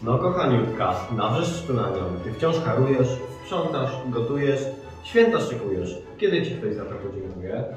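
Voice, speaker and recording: A man's voice: medium pitch, very animated, moderate pace, natural voice. A young man playing a scheming devil in a school nativity play, taunting in rhymed verse. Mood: sneering. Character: scheming male devil who spoils Christmas. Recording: echoey hall from far off, music.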